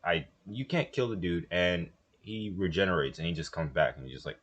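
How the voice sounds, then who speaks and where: A man's voice: deep voice, brisk, a bit bright, slightly rough, dull audio. A young man co-hosting a reaction video, rambling and hesitant in casual chat. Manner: rambling, hesitant, restarts often.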